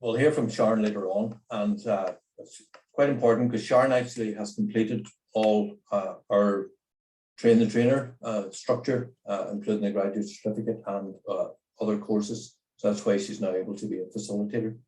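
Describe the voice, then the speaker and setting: A man's voice: lowish voice, fairly even intonation, normal speed, dark tone, roomy sound, far from the mic, slight background noise, poor audio. A man chairing an online information session as a nursing educator, speaking hesitantly with many fillers.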